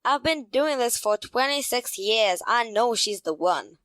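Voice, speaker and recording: Woman acting an eager, high-voiced stubborn twin. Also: animated, measured pace, fairly bright tone, dry recording. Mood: insistent. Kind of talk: hobby audio drama acting.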